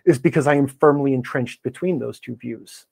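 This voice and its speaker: A man's voice: medium pitch, moderate pace, vocal fry, darkish tone, husky, no room sound, studio quality. A man speaking as a podcast guest in a conversational interview, wordy and opinionated as he explains things. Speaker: podcast guest, game blogger and author.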